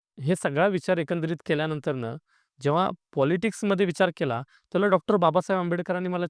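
Recorded very cleanly against a silent background, dry and close with no echo, a man speaks at a high pitch with ordinary pitch variation. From Maharashtra, Sangli district (Jat). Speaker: politician and social worker. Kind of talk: monologue interview.

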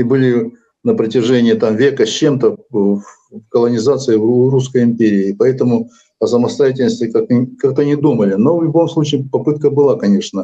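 Over a quiet background, a man's dark, mellow tone carries lively intonation. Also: moderate pace. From Kalmykia, Russia. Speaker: political activist. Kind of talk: interview. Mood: grave, calm recounting of history. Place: home room. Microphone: video call.

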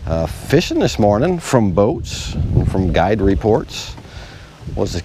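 Over noticeable background noise, a man talks at a fairly slow pace in a dry sound with no echo. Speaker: resort fishing report host. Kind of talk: casual fishing report. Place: boat.

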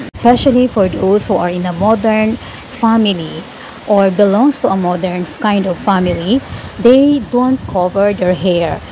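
Over noticeable background noise, a woman with a medium pitch speaks at a moderate pace with ordinary pitch variation. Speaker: vlogger. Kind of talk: vlog narration. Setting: market.

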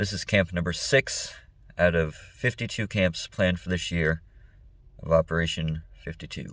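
A man speaks in a very deep, low pitch with fairly even intonation, in a dry sound with no echo. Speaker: camping vlogger. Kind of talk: casual vlog chat. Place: car. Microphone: phone near.

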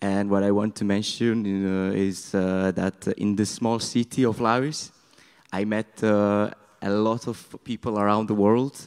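A man speaks at a very slow pace in a fairly low, flat monotone. The sound is dry and close, with no echo. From Georgia. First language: Georgian (speaking Italian). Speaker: European volunteer. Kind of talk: testimony. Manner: halting, many fillers.

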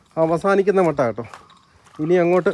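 A man talks in a high pitch. Noticeable background noise comes through. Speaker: travel vlogger. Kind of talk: travel vlog narration. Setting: outdoors.

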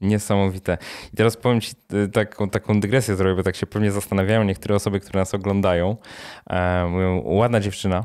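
A man's fairly low, monotone, flat voice over a quiet background. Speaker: podcast host. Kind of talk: interview conversation. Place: studio. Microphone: studio mic.

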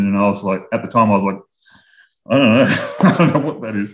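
The intonation stays fairly even, with a quiet background and audible room echo in the recording. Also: man. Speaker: guest. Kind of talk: interview answer. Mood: relaxed, amused. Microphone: video call.

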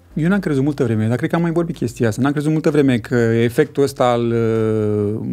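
A dark, mellow tone at a fairly quick pace. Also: man. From Moldova region, Romania; Romania. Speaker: actor. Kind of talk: casual chat. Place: studio. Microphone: studio mic.

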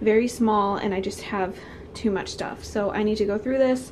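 A woman's monotone, flat voice at a moderate pace over noticeable background noise. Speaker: home organizing vlogger. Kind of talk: casual vlog chat. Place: bathroom. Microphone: phone near.

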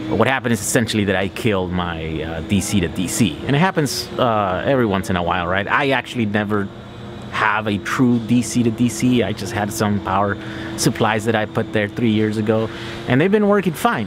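Noticeable background noise accompanies a man's fairly low voice, which moves at a fairly quick pace with ordinary pitch variation and a dry sound with no echo. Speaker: vlogger. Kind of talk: casual vlog chat. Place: street. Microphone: phone near.

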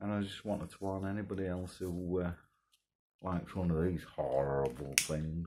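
A soft-spoken man with a very deep, low pitch talks at a moderate pace with ordinary pitch variation over light background noise. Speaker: long-time smoker. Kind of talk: casual talk to camera. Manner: quiet, soft-spoken. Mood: earnest, somber warning. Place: home room. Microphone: phone near.

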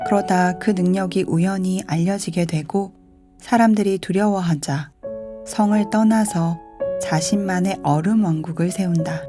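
Soft-spoken, a woman talks with a gentle, calm tone at a medium pitch and a fairly slow pace. Her pitch varies in an ordinary way, her loudness stays very even, and music plays in the background. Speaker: audiobook narrator. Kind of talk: bedtime book reading. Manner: soft, gentle, calm.

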